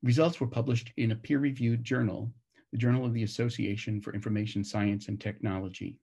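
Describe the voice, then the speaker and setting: Gravelly, husky man presenting slides. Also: medium pitch, steady tone, brisk, warm tone. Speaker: conference session presenter.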